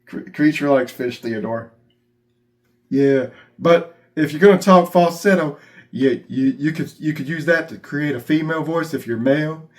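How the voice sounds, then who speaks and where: A man's voice: a little high, normal speed, close to an everyday voice. A man voicing a mild, helpful, slightly dopey monkey puppet with a Southern US accent. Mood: earnest.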